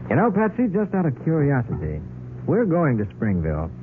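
A man playing a sharp, confident and curious private detective, brisk and wry, in 1940s radio drama style. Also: on the high side, wildly swooping pitch, narrow, tinny audio. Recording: noisy, band-limited 1940s radio recording.

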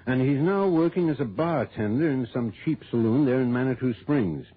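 A husky, insistent client. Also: male voice, mid-range voice, animated, moderate pace. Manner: insistent, folksy and gossipy. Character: opinionated, worried male client. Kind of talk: 1960s radio drama acting. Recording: tinny old radio broadcast.

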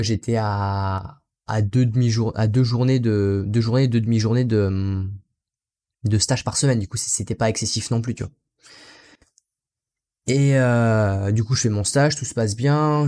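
A man's voice: fairly low pitch, dark tone. A young man from France, an English teacher, telling his story casually in an interview, rambling and often tossing in "you know" and "so". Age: young adult.

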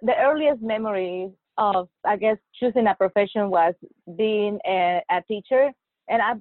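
Heard over a dry, tinny, phone-like line, this medium-pitched woman is a podcast guest being interviewed. She's a Mexican nurse anesthetist in her 40s whose speech is hesitant and full of laughter.

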